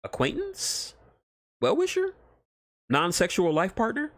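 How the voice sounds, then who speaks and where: A man's voice: high-pitched, wildly swooping pitch, a little slow, dry recording, studio quality, pitched above the performer's own voice, exaggerated voice. A man voicing a brash, petty restaurant boss who is glib and whines when challenged, in a comic story reading. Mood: pleading, joking.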